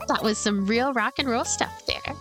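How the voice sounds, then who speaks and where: A woman's voice: on the high side, moderate pace, a bit bright, faint music behind. A woman voicing a brash young woman in a game, playfully teasing and trading mock insults with friends. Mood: gleeful.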